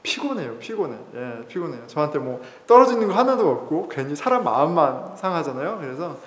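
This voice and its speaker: A man's voice: fairly high pitch, big pitch swings, a little fast, fairly bright tone. A male pastor giving a sermon in a church, telling stories in a conversational way with fillers and chuckles. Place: church sanctuary. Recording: echoey hall reverb.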